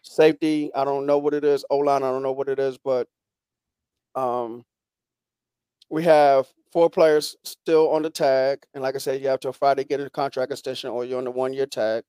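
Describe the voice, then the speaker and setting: A man's voice: medium pitch, little pitch movement, normal speed, warm tone, clear, resonant tone, no room sound, studio quality. A man hosting a podcast with casual, informal sports talk, often repeating phrases as he goes. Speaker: podcast host.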